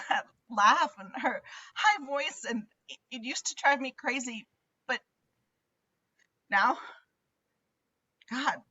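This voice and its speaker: A woman's voice: high-pitched, expressive, slow, long pauses, bright, forceful tone, dull audio, heavily acted. A woman playing an earnest, conflicted teenage girl in a table read of a film script. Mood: wistful, anxious. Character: Max, earnest, conflicted teenage girl grieving her mother.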